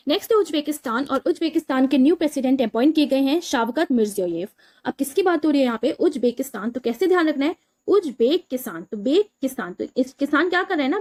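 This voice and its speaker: A woman's voice: sits high, a little mellow. A woman exam tutor explaining memory tricks in a patient, repetitive way, asking and answering her own questions.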